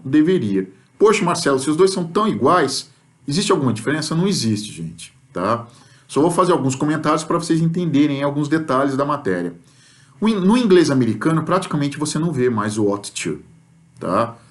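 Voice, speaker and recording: A Brazilian man teaching an English class in Portuguese, explaining step by step and acting out example sentences, often checking in with "tá?". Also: fairly high pitch. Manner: explanatory, frequent "tá?" check-ins; lively, acts out example sentences. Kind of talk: recorded remote class lesson.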